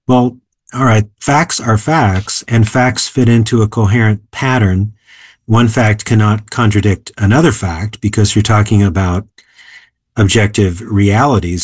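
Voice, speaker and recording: A man in his seventies, an author and philosopher, explaining ideas in a measured, emphatic way during an interview. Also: lowish voice, no echo. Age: 70s. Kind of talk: interview conversation.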